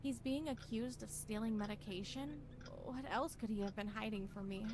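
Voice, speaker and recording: High-pitched woman voicing a troubled wife, horror game dialogue, theatrical, suspicious, loud ambient noise behind. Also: normal speed, close to an everyday voice. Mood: suspicious, anxious. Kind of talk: reading visual novel dialogue dramatically.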